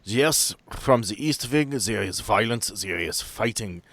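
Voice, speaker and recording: A man voicing a measured, detached male asylum doctor who talks in a formal, precise way. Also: on the low side, expressive, a bit bright, no echo, full character voice. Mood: coolly formal.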